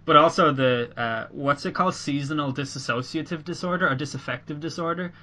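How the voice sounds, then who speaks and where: A young man chatting casually on a podcast, rambling with many halting restarts and a dark sense of humor. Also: a little high. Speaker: podcast host. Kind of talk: casual chat.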